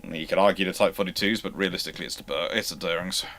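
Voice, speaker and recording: A man hosting an unscripted livestream, answering questions in a halting, rambling way with repeated and restarted phrases. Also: deep voice, bright, forceful tone, slight background noise. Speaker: host of a naval history livestream.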